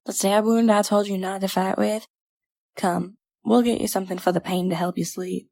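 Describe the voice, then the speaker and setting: A woman's voice: medium pitch, fairly even intonation, normal speed, creaky, dark tone, dry recording, lightly acted. A woman playing a stern, protective twin sister in an audio drama, scolding in a folksy way. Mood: stern concern.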